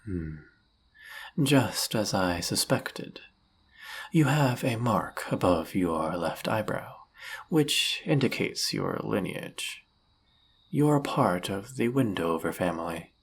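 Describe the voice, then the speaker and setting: A man playing an arrogant demon prince of lust in an audio roleplay, speaking in a suave, condescending, flirtatious manner with a husky, gravelly voice. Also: fairly low pitch, expressive, takes it slowly, exaggerated voice. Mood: smug, knowing. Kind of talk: scripted audio roleplay addressed to the listener.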